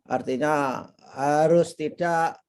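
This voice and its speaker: A middle-aged man hosting an academic conversation, speaking haltingly with frequent short affirmations. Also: on the high side, steady tone, darkish tone, clean tone. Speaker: interview host.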